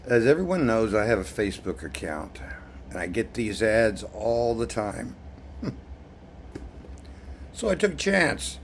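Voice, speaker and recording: A man with a fairly low voice talks very slowly through an unboxing video. His manner is casual and wry, and his throat sounds irritated. There is faint noise behind him. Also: very animated, creaky. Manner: wry, chuckling at own remarks. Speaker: video blogger. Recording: noticeable background noise.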